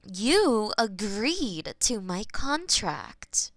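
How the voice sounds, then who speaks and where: A woman voicing a possessive, teasing female demon of war in an intimate audio roleplay, with soft breathy whispers. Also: medium pitch, sing-song, no echo, studio quality, full character voice. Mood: smug. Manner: teasing, possessive, slow and drawn-out.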